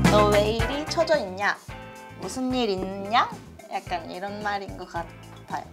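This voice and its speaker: The speech goes at a very slow pace. Loud music plays in the background. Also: woman. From South Korea, Gangwon province. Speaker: student interviewee in a dialect quiz. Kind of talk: interview answer. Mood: cheerful, smiling, slightly shy. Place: meeting room.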